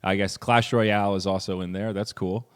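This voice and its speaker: A man hosting a casual interview, talking in a relaxed, rambling way with friendly asides. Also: deep voice, normal speed, clear, resonant tone. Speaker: podcast host.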